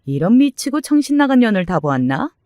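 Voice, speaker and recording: A narrator voicing a domineering middle-aged mother-in-law in an audio story, scolding and threatening with sharp demands. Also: mid-range voice, big pitch swings, fairly quick, no echo, clean studio sound, pitched above the performer's own voice. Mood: outraged.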